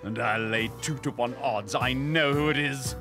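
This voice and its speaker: A man's voice: medium pitch, music in the background, natural voice. A man voicing a greedy, cruel, scheming con-man villain in a cartoon, sneering and theatrical. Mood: furious, menacing. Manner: sneering, theatrical, drawn-out delivery. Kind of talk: cartoon voice acting.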